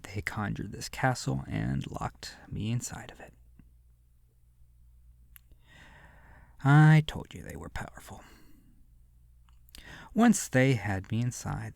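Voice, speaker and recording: Slow, creaky, seductive vampire, acted out by someone. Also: mid-range voice, a little mellow, no echo, clean studio sound. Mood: wistful, bitter. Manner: slow, breathy near-whisper, theatrical and menacing. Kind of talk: scripted horror audio roleplay, ASMR.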